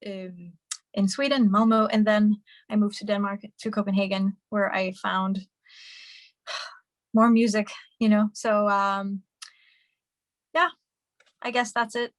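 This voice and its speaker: A woman's voice: medium pitch, little pitch movement, takes it slowly, long pauses, no room sound. A young woman from Hungary, a singer and musician, answering interview questions in a chatty way with many fillers and restarts over a video call.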